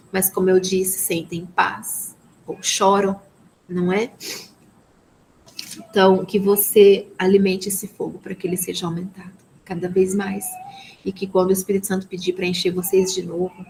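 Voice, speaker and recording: A woman's voice: mid-range voice, little pitch movement, moderate pace, darkish tone, a little hiss or hum, rough recording. A woman with a Brazilian Portuguese accent teaching a live online women's ministry Bible class, earnest and full of blessings, with frequent "amen?" tag questions. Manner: peppers speech with "amen?" and "né?" tags; earnest, blessing-filled preaching tone.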